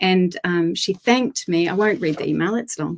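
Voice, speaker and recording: A woman's medium-pitched voice with a New Zealand accent and ordinary pitch variation. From New Zealand, far north. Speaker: poet. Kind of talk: live reading event talk. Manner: hesitant, many fillers.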